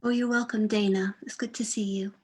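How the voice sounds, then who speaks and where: Soft husky woman, even pitch. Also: brisk. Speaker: meditation leader. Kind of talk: casual conversation. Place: online video call.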